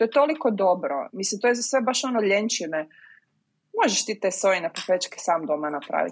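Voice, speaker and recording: With a plain, everyday voice, a woman talks at a fairly quick pace and medium pitch, her intonation lively and the sound dry and close with no echo. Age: 30s. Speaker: artist and hospitality manager with rheumatoid arthritis. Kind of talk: casual interview.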